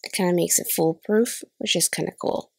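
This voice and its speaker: A woman's voice: fairly low pitch, fairly even intonation, brisk, creaky, a little mellow, breathy edge, no room sound. A woman in her thirties with a cold and a slightly nasal voice, chatting casually through a voice-over crafting tutorial and laughing off her own mistakes. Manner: chatty, self-deprecating about mistakes. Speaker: card-making channel host. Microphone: voice-over recorded separately.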